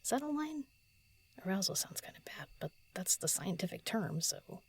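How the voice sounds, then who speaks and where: A woman playing a solitary, pensive writer in an audio drama, murmuring halting lines to herself as she composes, often half-whispering. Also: mid-range voice, very animated, husky, full character voice. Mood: pondering, self-critical. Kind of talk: intimate audio drama monologue, thinking aloud.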